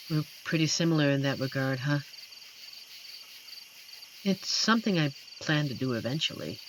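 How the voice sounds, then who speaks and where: A gentle, lonely werewolf played by a voice actor speaks slowly in a medium-pitched voice, tender and a little corny. It is an intimate roleplay audio, with hesitant pauses and clear night insects chirping behind. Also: animated, noisy background, lightly acted. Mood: gently self-deprecating. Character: amiable, gentle, lonely werewolf forest protector comforting a stranger. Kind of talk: scripted roleplay audio addressed to the listener. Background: crickets and forest night ambience.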